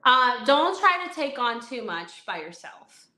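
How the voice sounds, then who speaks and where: A woman's voice: on the high side, very animated, a little slow, bright, forceful tone, echoey room. A woman co-hosting a live podcast, chatting in an upbeat way and giving practical advice. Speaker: podcast co-host. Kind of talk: casual live podcast chat.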